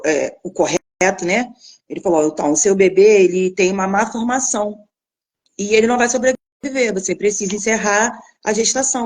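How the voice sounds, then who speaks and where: A young woman giving an emotional personal testimony, earnestly retelling what others said in direct quotes. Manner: earnest, retells others' words in direct quotes, lively pitch swings when reliving shock.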